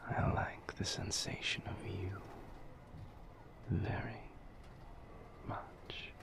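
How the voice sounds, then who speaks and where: A man playing a suave, flirtatious vampire in intimate roleplay audio, with breathy half-whispers and formal, silky phrasing. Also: deep voice, fairly even intonation, extremely slow, exaggerated voice. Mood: tender, flirtatious. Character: suave seductive male vampire, indulgent and flirtatious.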